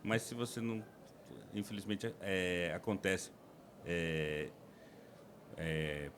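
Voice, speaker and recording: Deep-voiced Brazilian man explaining. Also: takes it slowly, a bit bright, slight background noise. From interior of São Paulo state, Brazil. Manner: explains plainly with frequent restarts and fillers. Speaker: endoscopist guest. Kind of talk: podcast interview.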